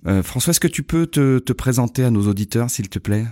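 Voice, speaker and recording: A man's voice: mid-range voice, animated, a little fast, warm tone, dry recording. A man from France hosting a podcast interview and prompting his guest with brief questions. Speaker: podcast host.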